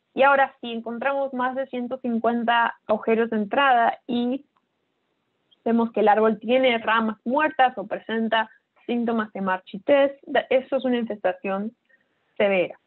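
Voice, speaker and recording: This woman has a fairly high pitch and fairly even intonation, talking at a moderate pace over a quiet background. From Argentina. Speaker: scientist presenting on tree pests; presenter. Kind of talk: webinar presentation. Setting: online webinar. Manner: hesitant fillers (am, eh). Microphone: webcam.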